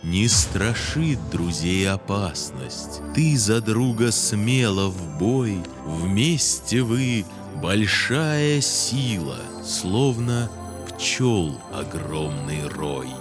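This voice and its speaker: Very slow, low storyteller. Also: male voice, big pitch swings, heavily acted. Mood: solemn. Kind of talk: scripted verse narration in children's cartoon. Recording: loud music under the voice.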